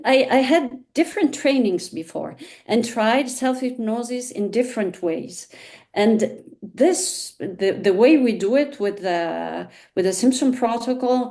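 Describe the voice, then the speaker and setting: Woman, halting speech. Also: fairly high pitch, dark tone. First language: Italian. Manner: halting, many restarts and fillers. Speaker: hypnosis trainer. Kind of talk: casual interview chat.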